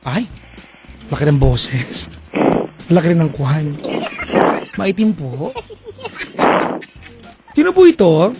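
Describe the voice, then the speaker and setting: High-voiced teasing male radio host. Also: slow, pauses often, loud music behind the voice. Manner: playful, teasing, animated. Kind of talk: late-night radio talk.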